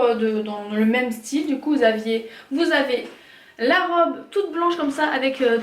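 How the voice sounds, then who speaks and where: Brief: high-pitched woman from France, casual haul vlogger, talks with fillers, echoey room with faint hiss. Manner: chatty, hesitant with many fillers. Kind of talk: casual product haul chat.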